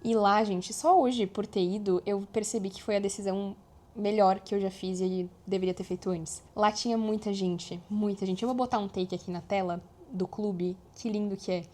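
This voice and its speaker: A young woman vlogging, chatting to her viewers in a lively, animated way. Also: medium pitch, moderate pace. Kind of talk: casual chat to camera.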